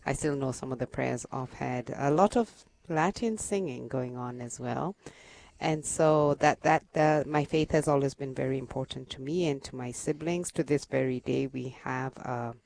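A woman's voice: rumbling low, normal speed, creaky, darkish tone, slight background noise. A middle-aged woman from Kenya, a radio guest telling her story in an earnest, fluent way. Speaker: guest parishioner. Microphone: headset.

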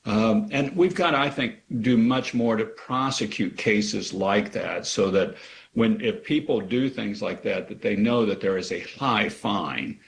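Man, low voice, from Kansas, author guest, earnest, emphatic. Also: unhurried, gravelly, a little hiss or hum. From Kansas, USA. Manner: earnest, grows emphatic with sharp pitch rises. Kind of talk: interview answers.

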